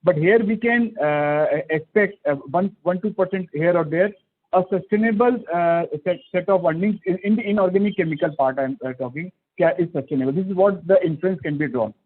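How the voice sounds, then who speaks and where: A man with an Indian accent asking questions as an investor on a conference call, halting, stammering and deferential. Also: high voice. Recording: thin, narrow phone line.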